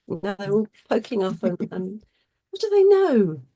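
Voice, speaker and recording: A woman hosts an informal online session with a husky, slightly cold-worn voice. She is chatty and effusive as she welcomes and introduces people, at an ordinary middling pitch. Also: sing-song, a little slow, dark tone. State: getting over a cold. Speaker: host chairing an online webinar.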